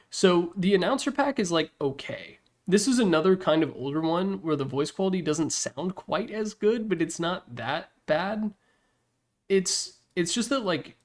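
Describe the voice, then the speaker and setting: A man presenting a ranking video with casual, opinionated commentary, informal and mildly profane, with wry asides. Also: fairly high pitch. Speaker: presenter of a tier list slideshow video.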